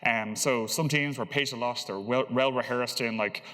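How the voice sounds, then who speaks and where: A man's voice: medium pitch, steady tone, bright, forceful tone. Male conference speaker, informal and hesitant in delivery, recorded with noticeable hall reverberation. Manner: hesitant, halting delivery with repeated words. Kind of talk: informal technical conference presentation. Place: large conference hall, on stage.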